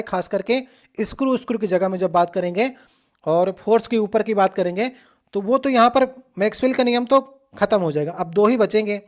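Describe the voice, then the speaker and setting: A patient exam coach works through practice questions one at a time. The voice sits at a middle pitch and keeps returning to the main points. It pauses often to check that the listener is following. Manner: patient, repetitive explaining with frequent check-ins. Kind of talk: exam-prep lesson walking through past questions.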